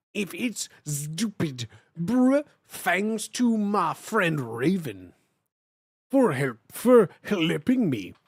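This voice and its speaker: In a put-on character voice, a man swings his high pitch very widely at a very slow pace, the sound dry and close with no echo. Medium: game stream.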